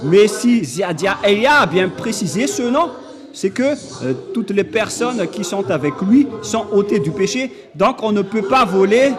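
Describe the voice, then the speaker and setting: A man preaching an emphatic sermon, often shouting, at a live church service. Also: sits high. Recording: live church recording with music and crowd.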